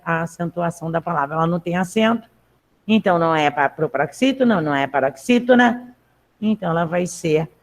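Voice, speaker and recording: A woman teaching a Portuguese class, reading a text aloud and patiently explaining spelling rules to her students. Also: on the low side. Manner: patient, checks in with frequent "tá?". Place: classroom with students in the room and at home.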